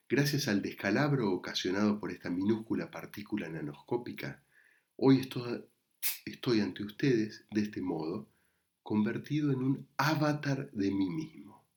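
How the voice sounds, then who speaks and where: A man with an Argentine Spanish accent, a psychoanalyst giving a prepared talk recorded remotely in a measured, reflective way. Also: sits low, darkish tone. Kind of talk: prepared lecture read to camera. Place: recorded remotely, not in the event hall.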